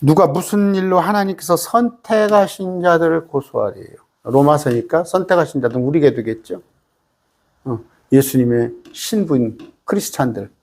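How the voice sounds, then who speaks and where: A man's voice: a little high, moderate pace, a little mellow. A male pastor with a Jeolla accent, preaching an emphatic, folksy Bible study sermon full of rhetorical questions. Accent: Jeolla Korean.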